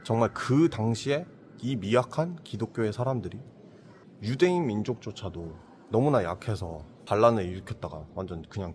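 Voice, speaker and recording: This Christian apologetics channel host has a voice on the low side, recorded with slight background noise. Casually talking about his travels in a reflective way, he occasionally slips into lively voices to play imagined villagers.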